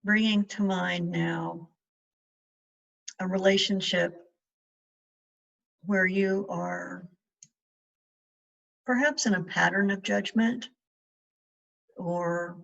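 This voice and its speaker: Slow, low-pitched woman guiding meditation. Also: fairly even intonation, vocal fry, a bit bright. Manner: slow, measured, with long pauses. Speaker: meditation guide. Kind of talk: guided meditation. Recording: distant mic, dull muffled sound.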